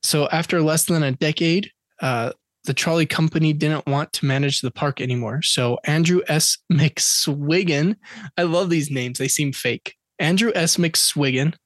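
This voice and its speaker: A man with a fairly high voice hosts a casual podcast chat. He reads out facts and dates with jokes mixed in. The sound is close and dry, with no room around it. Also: unhurried, no room sound. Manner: chatty, joking, reads facts and dates aloud. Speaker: podcast co-host.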